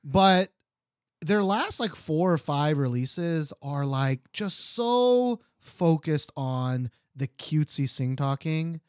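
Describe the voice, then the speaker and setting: A man chats as co-host of a podcast, joking and laughing as he goes. His pitch swings widely and his voice stays lively. The sound is close and dry, with no room around it. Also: slow pace, clear, resonant tone, dry recording. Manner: animated, jokey, laughs often. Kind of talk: casual chat. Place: Seoul, South Korea.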